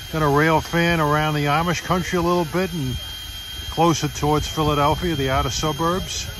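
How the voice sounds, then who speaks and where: There is audible room echo and noticeable background noise as a man with an American accent speaks at a moderate pace with ordinary pitch variation. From Long Island, New York. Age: 60s. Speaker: railfan videographer. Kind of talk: casual vlog narration. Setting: outdoors.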